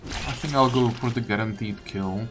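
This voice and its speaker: Male let's-player, mid-pitched, casual and deliberative, musing aloud with faint music behind. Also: moderate pace. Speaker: gamer commentating his playthrough. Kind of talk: casual let's-play commentary. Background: faint game music.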